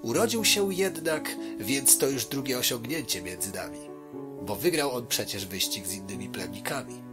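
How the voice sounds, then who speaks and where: A man's voice: mid-range voice, expressive, moderate pace. A man narrating a rhyming storybook tale with a theatrical storyteller delivery. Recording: music under the voice. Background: music.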